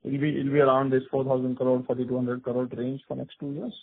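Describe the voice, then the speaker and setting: A man, an analyst asking halting questions on an earnings call. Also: mid-range voice, flat delivery, vocal fry. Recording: muffled phone conference line.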